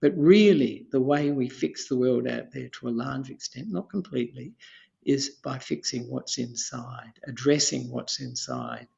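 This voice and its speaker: Guesting on a podcast, a seventy-something Australian Buddhist monk teaches at an unhurried pace, rambling a bit, circling back to phrases, and letting out gentle chuckles. His voice is medium-pitched with vocal fry, captured in lo-fi audio.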